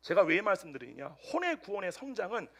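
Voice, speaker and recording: A male pastor preaching a Sunday sermon to a congregation, telling a story with animated swings between loud outbursts and hushed asides. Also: sits high, a little fast, vocal fry. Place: church service with a congregation answering amen.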